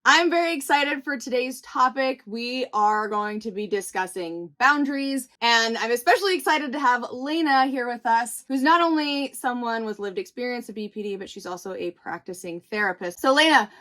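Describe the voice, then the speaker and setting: Woman host, upbeat, slightly high voice, panel discussion. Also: animated, moderate pace, few pauses, sharp tone. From New Mexico, US. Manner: upbeat, enthusiastic introductions. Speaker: podcast host.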